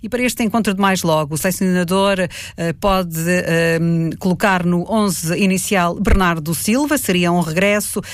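High-pitched guy reading radio news, dry close studio mic, steady. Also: no room sound. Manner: measured, with small fillers. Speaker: news anchor.

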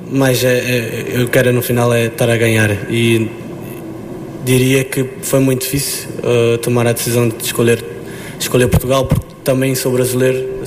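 A man's voice: medium pitch, noisy background. A young man, a footballer, answering press conference questions hesitantly with many fillers and restarts.

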